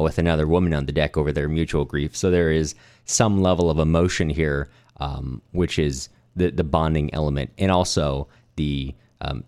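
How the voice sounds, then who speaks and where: A man's voice: a bass voice, a little mellow, no room sound, studio quality. A man co-hosting a conversational book discussion, speaking in an articulate, explanatory and reflective way. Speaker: podcast co-host.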